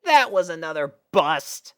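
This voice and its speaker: Woman as a brash, high-pitched young girl pony. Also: big pitch swings, unhurried, fairly bright tone, no echo, clean studio sound, full character voice. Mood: discouraged. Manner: blunt, complaining.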